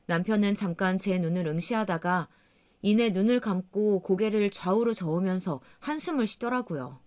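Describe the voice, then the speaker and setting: A woman's voice: mid-range voice, normal speed, a little mellow. A woman narrating a first-person family story in a confiding, conversational way.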